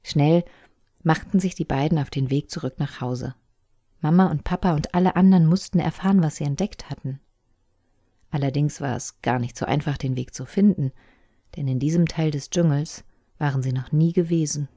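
A woman reads a children's adventure story aloud in a remarkably deep, dark voice. Her delivery is calm and expressive, and the recording is dry and close with no room sound. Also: normal speed, no echo. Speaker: narrator.

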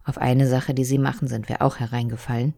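A woman's voice: extremely low pitch, level tone, a little fast, gravelly, mellow, no echo, clean studio sound, heavily acted. A woman voicing a nervous eight-year-old boy in a storybook reading, hesitant and trying to sound clever. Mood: explaining.

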